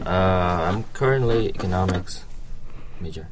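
A man's voice: deep voice, unhurried, noisy background. A young man from Vietnam with a Vietnamese accent, giving casual, hesitant interview answers in colloquial English. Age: young adult. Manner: hesitant, colloquial, hedging with "you know". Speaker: interviewee, economics student.

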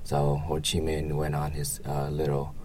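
Young vietnamese guy w accent, super low voice, rambles w lots of fillers, bit of background noise. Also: completely flat delivery, a little mellow. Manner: halting, rambling with frequent filler phrases. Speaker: interviewee. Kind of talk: casual interview answers.

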